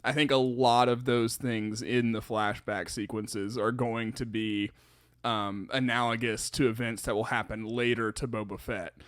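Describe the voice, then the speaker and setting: A man co-hosting a podcast in casual discussion, thinking aloud in halting, broken phrases. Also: medium pitch, steady tone, fairly bright tone, clear, resonant tone, no echo, studio quality. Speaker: podcast co-host.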